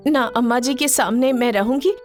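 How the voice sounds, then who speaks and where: A woman's voice: on the high side, normal speed, lightly acted. An actress playing a defiant young daughter-in-law who talks back to her mother-in-law in a comic film scene. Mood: pleading. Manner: sharp-tongued, talking back. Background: soft background music.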